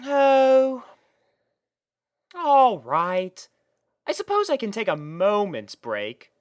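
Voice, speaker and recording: Woman playing a genteel, lively-voiced lady pony. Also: mid-range voice, extremely slow, full character voice. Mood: busy, indulgent. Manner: genteel, coaxing, theatrical. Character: refined, affectionate adult female pony, busy elder sister. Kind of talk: fan fiction audio drama acting.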